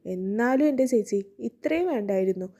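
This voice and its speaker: Woman doing a jumpy meddling young guy, teasing, kinda high pitched. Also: normal speed. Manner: excitable and teasing. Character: excitable, meddling young man, a joking friend.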